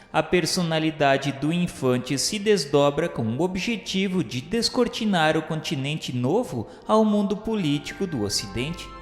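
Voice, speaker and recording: With a Brazilian accent and a medium-pitched voice, a man narrates a radio drama in solemn, measured, literary phrasing. Heavy hall-like echo surrounds him, and music plays in the background.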